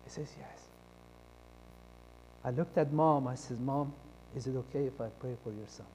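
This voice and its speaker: A man from Iran, a Christian minister telling a personal testimony and acting out the dialogue, jumping from loud to hushed. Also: mid-range voice, normal speed, a little hiss or hum. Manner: acts out quoted dialogue, shifting between loud and hushed. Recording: long reverb of a large hall.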